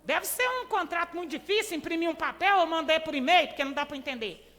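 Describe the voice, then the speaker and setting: A woman with a Minas Gerais accent gives an indignant council speech in a very high, bright voice. She presses her case with pointed rhetorical questions. Long reverb from the chamber trails each phrase. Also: animated, fast talker. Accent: Brazilian Portuguese, Minas Gerais. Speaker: city councilwoman.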